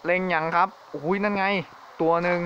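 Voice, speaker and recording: An excitable man talks through a ghost-shooting game, joking and exclaiming between shots. His voice sits somewhat high, and loud game gunfire and effects play clearly under his commentary. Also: fairly quick, muffled recording, noisy background. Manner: excitable, jokey, exclaims often. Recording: game sounds and gunfire behind.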